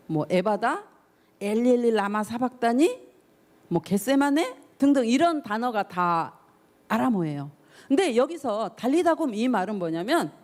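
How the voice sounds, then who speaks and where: A woman's voice: on the high side, a little mellow. A woman youth pastor preaching a sermon to teenagers, telling the story with feeling, acting out the voices of the people in it and putting questions straight to her listeners. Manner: asks the listeners questions directly.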